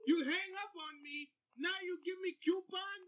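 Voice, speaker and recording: Brief: high, screechy, furious customer in broken English, yelling and sobbing as a man puts him on. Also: moderate pace, lo-fi sound. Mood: screaming. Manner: screaming threats, sobbing rage.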